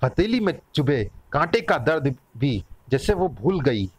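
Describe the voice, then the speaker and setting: A man narrating a children's story in an expressive, dramatic manner. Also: a little high, measured pace, slightly rough.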